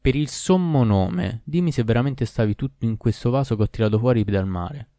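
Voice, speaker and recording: A man's voice: medium pitch, fairly quick, warm tone, no echo, studio quality, lightly acted. A man voicing a poor, desperate but cunning fisherman in a storybook reading, speaking in an earnest, pleading way.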